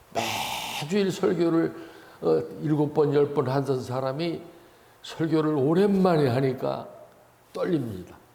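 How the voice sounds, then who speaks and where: A man's fairly high pitch with ordinary pitch variation, at a very slow pace with long, frequent pauses, amid noticeable background noise and audible room echo. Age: 70s. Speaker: retired pastor, guest preacher. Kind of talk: sermon. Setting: church service. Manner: animated.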